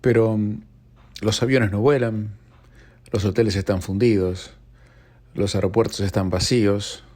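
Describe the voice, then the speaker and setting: Argentine radio guy, lowish voice, earnest news commentary, talks straight to the listener. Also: steady tone, a little slow, long pauses, darkish tone. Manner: earnest, reflective, addresses listener directly.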